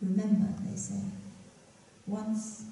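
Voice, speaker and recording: At a fairly slow pace, a woman speaks with a medium pitch amid audible room echo and light background noise. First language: not English. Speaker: poet. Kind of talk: poetry reading. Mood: gentle, warm, smiling. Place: stage.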